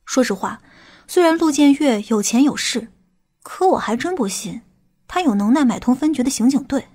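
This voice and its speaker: A woman's voice: sits high, animated, moderate pace, a little mellow, breathy edge. A woman playing a stern, impatient police detective in an audiobook drama. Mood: heated.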